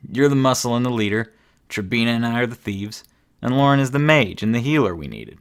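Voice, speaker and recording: A male halfling thief with a lowered, level voice, matter-of-fact and practical. He sounds steady in this fantasy audiobook, as a woman narrator puts him on. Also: fairly quick.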